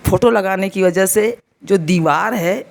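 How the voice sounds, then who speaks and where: This Indian vlogger in her thirties talks to her audience from home in a chatty way, addressing them directly and explaining things along the way. Her mid-range voice is a little slow and gravelly, carrying an Uttar Pradesh Hindi accent and a hint of sore throat.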